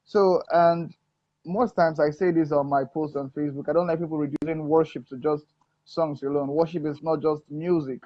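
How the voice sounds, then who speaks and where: A man from Africa, a gospel singer, talking in a casual interview with an earnest, preacherly manner, often pausing on "um" and "you know". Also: a little high, fairly even intonation, no echo. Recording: muffled dull sound, dry.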